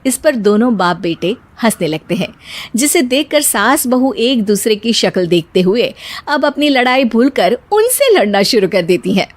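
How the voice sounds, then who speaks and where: A woman giving scripted narration for a cartoon story, steady storytelling. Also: a little high, moderate pace.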